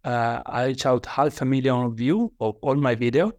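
A man's voice: medium pitch, normal speed, darkish tone, no room sound. A man from Italy with an Italian accent, speaking English as a guest on a podcast interview, hesitant with many fillers and restarts. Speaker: guest author.

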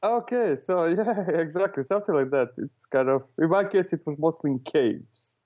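A man's voice: a little high, normal speed, lo-fi sound. A man from Serbia answering interview questions casually, with hesitant talk full of fillers and restarts. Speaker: guest, author and consultant.

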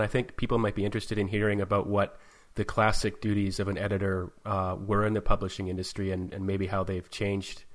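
Low-voiced male podcast host. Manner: measured, polite, some fillers. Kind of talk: podcast interview.

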